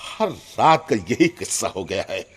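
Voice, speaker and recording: A man's voice: lowish voice, sing-song, measured pace, slightly rough, heavily acted. An actor playing an irritable, harsh husband and father in a radio drama, scolding and complaining. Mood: bitter complaining. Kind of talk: Hindi radio drama acting.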